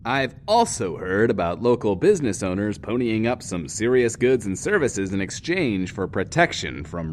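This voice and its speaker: An actor playing a self-important, wordy, lonely radio host in a post-apocalyptic bunker, in an audio drama. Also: male voice, on the low side, a little hiss or hum. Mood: showy, gossipy. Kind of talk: in-world radio show monologue, audio drama.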